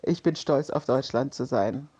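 A woman's voice: extremely low pitch, warm tone, breathy edge, lo-fi sound. A woman from Germany, an interview guest, speaking reflectively with frequent hesitations and small laughs. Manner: reflective, hesitant with fillers, quick light laughs.

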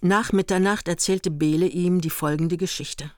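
A woman's voice: on the low side, fairly even intonation, normal speed, heavy background noise. A woman reading scripted narration as the narrator of a radio play, with music underneath.

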